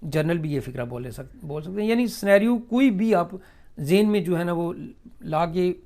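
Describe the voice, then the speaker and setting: A man teaching simple classroom English sentences, saying each one slowly and explaining it at length with many fillers. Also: high voice, expressive, darkish tone. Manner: slow, drawn-out model sentences in English, then Urdu explanation with many fillers. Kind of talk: spoken English lesson explained in Urdu.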